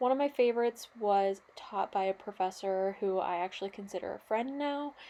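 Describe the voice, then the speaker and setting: The woman's voice sits at a medium pitch and has a dark, mellow tone. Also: ordinary pitch variation. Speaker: planner vlogger. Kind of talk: casual chat. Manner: hesitant, many fillers.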